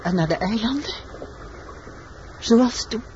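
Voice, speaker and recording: An actress in a Dutch radio play playing a troubled, searching lover, questioning and hesitant. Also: female voice, fairly high pitch, expressive, slow pace, darkish tone. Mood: anxious, hesitant. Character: troubled, searching woman lover confronting her man. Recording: dull, noisy old radio drama recording.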